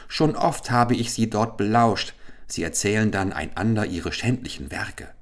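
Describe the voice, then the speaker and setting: A man's voice: fairly low pitch, moderate pace, close to an everyday voice. A man voicing a sorrowful enchanted owl princess in a fairy-tale audiobook, his voice raised and pleading. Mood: plaintive.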